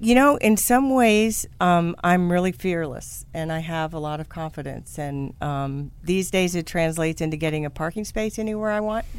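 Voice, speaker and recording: A woman with a normal speaking voice and a fairly low pitch talks at a moderate pace with lively intonation and hardly any pauses. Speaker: games company co-founder. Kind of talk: interview.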